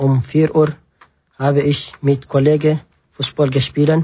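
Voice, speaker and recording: Flat and monotone in delivery, the speech carries some breathiness. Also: man. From Eritrea. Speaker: refugee language learner. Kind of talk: scripted personal account.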